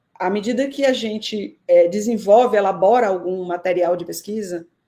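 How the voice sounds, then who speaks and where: Dark, mellow tone from a woman at medium pitch, with ordinary pitch variation. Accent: northeastern Brazilian. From Brazil, Salvador (Bahia). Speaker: spiritist researcher. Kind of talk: live interview.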